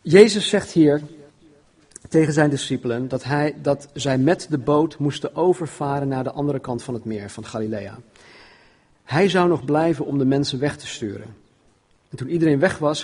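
A man's voice: mid-range voice, darkish tone, breathy edge. A man preaching an informal sermon and reading Bible passages aloud, often stumbling and repeating words as he talks.

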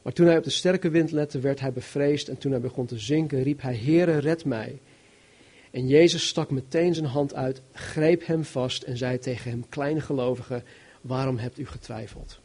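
A man preaches a sermon, reading Bible verses and explaining them with animated emphasis while swinging widely between loud and soft. His mid-range voice has a breathy edge, moving at normal speed with few pauses.

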